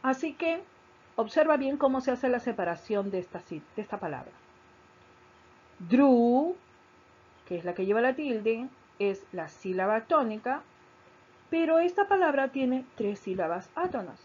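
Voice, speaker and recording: Woman, teacher, husky voice, explanatory lesson, repeats key points, muffled lo-fi audio. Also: a little high, animated, moderate pace. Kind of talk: recorded grammar lesson. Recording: dull lo-fi recording.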